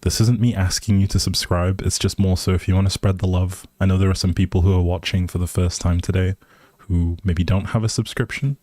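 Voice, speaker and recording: A man's voice: deep voice, fairly even intonation, brisk, mellow, dry recording. A man hosting a casual livestream, chatting to viewers in a hesitant, rambling, appreciative way. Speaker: live streamer, host.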